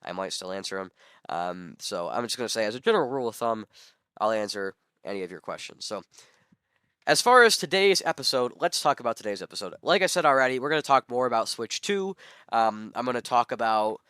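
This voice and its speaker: A man's voice: mid-range voice, expressive, brisk, pushed and bright, smooth, no room sound, clean studio sound. Sick young man rambling solo. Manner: rambling, many ums and self-corrections. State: sick, voice hoarse. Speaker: podcast host. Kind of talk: solo podcast monologue.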